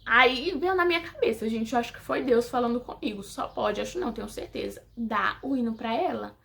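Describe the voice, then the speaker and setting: A woman's voice: fairly high pitch, fairly quick, vocal fry, a bit bright. A young woman, telling her personal story to viewers in an emotional, religious, casual way, laughing often. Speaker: vlogger giving a personal testimony.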